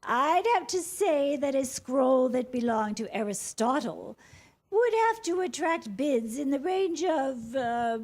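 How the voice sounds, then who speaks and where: Woman acting pompous antiques expert, high pitch, slow formal delivery, very animated intonation, condescending, stage comedy. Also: exaggerated voice. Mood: measured, authoritative.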